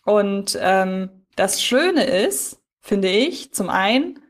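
A woman's voice: medium pitch, big pitch swings, very slow. A woman co-hosting a podcast in casual chat, tentatively qualifying her opinions as she goes. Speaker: podcast co-host. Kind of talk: casual chat reviewing a story.

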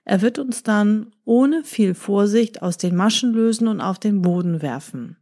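A woman reads a storybook tale aloud in a calm, measured way. Her pace is slow and unhurried, and her voice sits mellow and dark rather than bright. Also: mid-range voice. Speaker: narrator. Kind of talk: storybook reading.

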